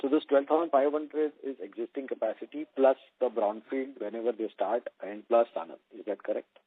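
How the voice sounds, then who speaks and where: A man's voice: mid-range voice, fairly even intonation, a little fast, no room sound. A man, politely asking questions as an analyst on an earnings call. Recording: dry, narrowband telephone line.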